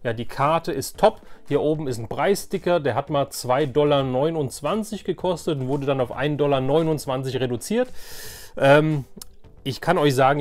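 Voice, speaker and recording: A man's voice: a little high, a little mellow. A man chatting casually and enthusiastically to viewers as he hosts a collecting video, often repeating words for emphasis. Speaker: host of a toy collecting video channel.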